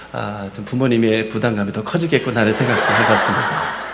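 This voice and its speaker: With audible room echo and noticeable background noise, a man talks at a medium pitch. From rural South Korea. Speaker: guest pastor. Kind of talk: sermon. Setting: church. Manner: halting, many filler sounds.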